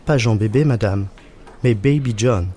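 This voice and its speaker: A man's voice: medium pitch, unhurried, a crowd in the background, natural voice. A man voicing a stubborn little boy who hates his name and fakes a clumsy English accent, sulky and bossy. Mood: mock English.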